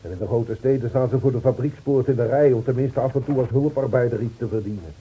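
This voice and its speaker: A man's voice: mid-range voice, quick pace, slightly rough. An actor playing a bitter, sardonic village man in a Dutch radio drama, grumbling with weighty sarcasm. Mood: weary, indignant. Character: bitter, sardonic village man at a rural Spanish police post. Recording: muffled, noisy old radio recording.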